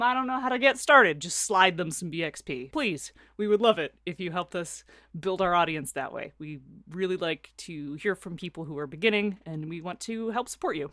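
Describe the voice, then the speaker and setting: A woman co-hosting a tabletop-gaming podcast, chatting casually and reading sponsor spots, self-deprecating and quick to laugh. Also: mid-range voice, a bit bright, dry recording, studio quality. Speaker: podcast co-host. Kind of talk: casual podcast chat and ad read.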